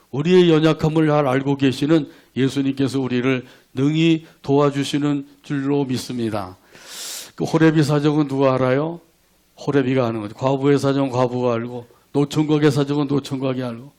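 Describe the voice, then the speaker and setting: A man's voice: medium pitch, a little mellow. A man preaching a sermon as pastor, asking the congregation rhetorical questions and leading them in repeating scripture line by line. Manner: leads congregation in call-and-response verse reading; asks rhetorical questions, acts out quoted prayers.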